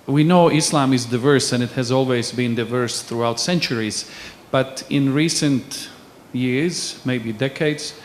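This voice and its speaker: A man from Bosnia, asking a panel a long, measured question from the floor. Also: mid-range voice, a little hiss or hum. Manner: measured, searching for words. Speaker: audience member asking a question.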